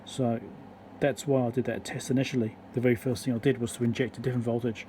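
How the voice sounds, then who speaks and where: A man's voice: medium pitch, level tone, quick pace, dark tone, slight background noise. A man giving a casual technical explanation as a repair video host, rambling and matter-of-fact as he thinks aloud.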